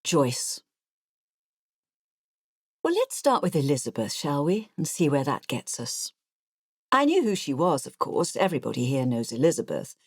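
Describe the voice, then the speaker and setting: A woman's voice: low-pitched, sing-song, moderate pace, pauses often, breathy edge, no room sound, studio quality, full character voice. A woman voicing an artless, chatty retired nurse in her later years, narrating an audiobook in an English accent, confiding and matter-of-fact as she digresses. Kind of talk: audiobook first-person narration.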